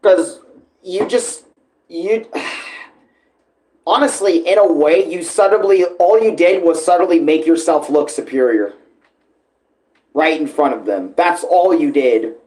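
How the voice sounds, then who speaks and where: A man's voice: on the high side, slow, pauses often, darkish tone, low-quality recording. A man giving casual, rambling reaction commentary full of slang and swearing, like a host talking to friends. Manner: rambling, informal, often addressing others as bro or dude.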